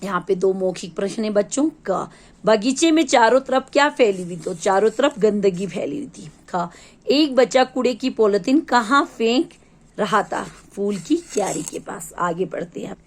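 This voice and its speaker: A woman's voice: medium pitch, expressive, normal speed. A woman from Ladakh, a primary school teacher, patiently explaining a revision lesson to young children.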